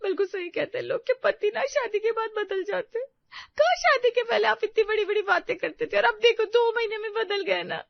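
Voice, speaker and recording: Young quick-tempered new bride, voiced by a woman narrator; emotional complaints, dry lo-fi audio story. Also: sits high, no echo, natural voice. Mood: tearful. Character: young newlywed wife, lively and quick-tempered. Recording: dull, dry sound.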